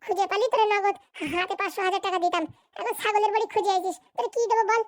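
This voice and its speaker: A domineering village schemer in a comic cartoon, with an extremely high, childlike pitch and a rapid-fire rural Bengali accent. She scolds and blusters in a foul temper, recorded close and dry. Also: fairly even intonation, dry recording. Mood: grudging. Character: bossy, foul-tempered, scheming village woman with political ambitions. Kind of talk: comic cartoon voice acting, colloquial dialect.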